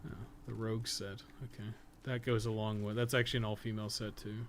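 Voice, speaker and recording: A man's voice: lowish voice, fast talker. A man giving casual gameplay commentary, rambling and thinking aloud, with casual swearing. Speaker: podcast co-host playing a game. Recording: clear steady background noise.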